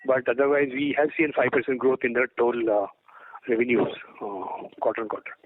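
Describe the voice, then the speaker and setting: A man's voice: mid-range voice, brisk, phone-quality sound, slight background noise. A man with an Indian accent, a company executive answering questions on an earnings call, hesitant and repeating words, over a phone conference line.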